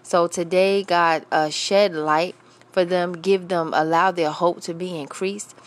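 A woman hosting a Christian radio show who talks in a lively, playful way and often laughs, then leads a prayer. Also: fairly low pitch, unhurried. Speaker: radio host.

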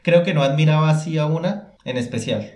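A man's voice: a little high, brisk, mellow. A man co-hosting a podcast in casual, conversational talk. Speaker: podcast co-host. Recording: roomy, echoey room.

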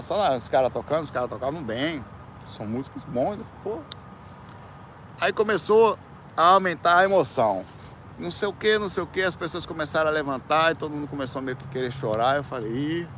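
In a slightly high voice marked by a Brazilian Portuguese accent, a musician tells an anecdote from his life in relaxed, everyday language. He brings the quoted lines to life with loud, animated outbursts, and a bit of background noise can be heard.

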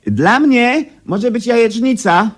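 An actor playing a cynical, wisecracking know-it-all friend in a comic radio play. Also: male voice, extremely high pitch, lively intonation, takes it slowly, exaggerated voice. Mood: mocking. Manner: dry mocking quips.

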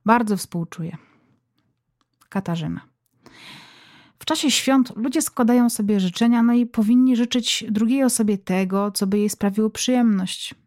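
A woman hosting a podcast, reading listeners' letters aloud in a calm, measured way. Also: fairly high pitch, no room sound, clean studio sound. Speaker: podcast host.

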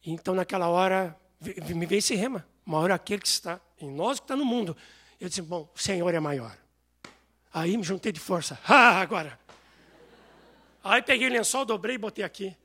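A man preaching a sermon, telling stories with animated voices. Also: high voice, moderate pace, breathy edge. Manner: animated storytelling, acts out voices.

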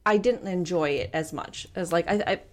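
Candid chatty woman co-host. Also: lowish voice. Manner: candid, rambling, quick bursts. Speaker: podcast co-host. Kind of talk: casual movie-review chat.

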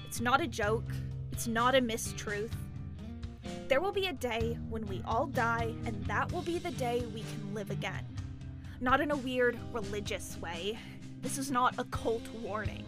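A woman's voice: fairly high pitch, lively intonation, measured pace. An actress playing a brooding, bitter, melodramatic woman bent on revenge in an audio drama, with a grandiose, declamatory way of talking. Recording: music behind the voice.

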